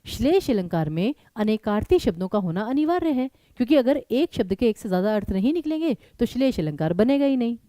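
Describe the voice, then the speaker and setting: Brisk woman teacher with a mellow voice. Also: fairly high pitch, very animated, no echo. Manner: brisk, urging students to answer fast; mixes English words into Hindi. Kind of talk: live online exam-prep class.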